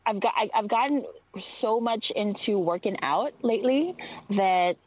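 A woman's voice: mid-range voice, animated, measured pace, dull audio. A young woman from the Philippines, a native Tagalog speaker with an American accent, chatting as a podcast guest, giggling and repeating her words as she searches for them. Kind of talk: casual interview chat.

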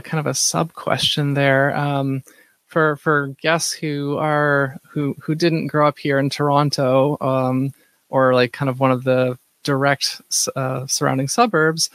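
A podcast host with a gravelly voice, hosting an interview with many fillers and repeated words. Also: male voice, fairly high pitch, a bit bright, no room sound.

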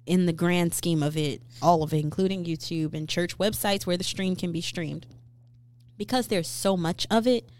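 A woman co-hosting a casual discussion, explaining her views in a steady, reasoned way. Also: lowish voice, moderate pace.

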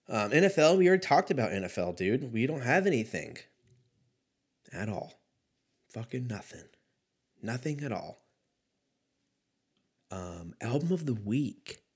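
A man's voice: deep voice, breathy edge. A man in his thirties hosting a sports talk show solo, giving casual, rambling commentary in a laid-back, sweary way. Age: 30s.

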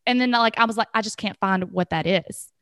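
A woman's voice: medium pitch, a little fast, fairly bright tone, dry recording, studio quality. Chatty woman in her thirties. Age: 30s. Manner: candid, chatty, laughs easily. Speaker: podcast host. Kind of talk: casual podcast conversation.

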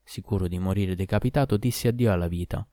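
Low, dark-voiced male storyteller. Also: no echo, studio quality. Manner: steady, measured reading. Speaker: narrator. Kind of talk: scripted first-person story narration.

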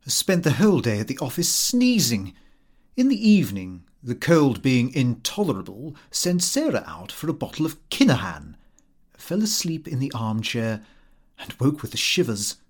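A man reads a comic Victorian diary aloud. His pitch swings very widely, and he sounds prim and put-upon, with a theatrical way of telling it. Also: husky. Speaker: audiobook narrator. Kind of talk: animated scripted narration of a comic Victorian diary.

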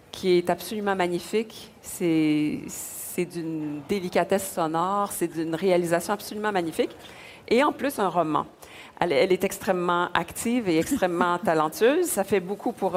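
A woman, interviewing an author with warm enthusiasm. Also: lowish voice, a little hiss or hum. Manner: enthusiastic, effusive. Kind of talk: radio interview.

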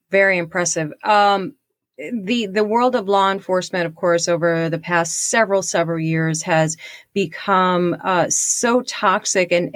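A woman's voice: lowish voice, a bit bright, dry recording, clean studio sound. A woman hosting an interview show, enthusiastic and rambling, with many fillers and restarts. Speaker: podcast host.

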